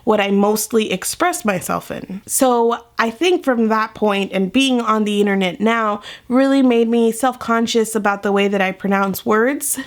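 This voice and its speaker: A young woman whose first language is Spanish talks straight to camera in a loose, thoughtful way, circling back with little asides. Her voice sits a little on the high side. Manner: thoughtful, candid, rambling with asides. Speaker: book reviewer vlogger. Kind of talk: reflective talking-head vlog.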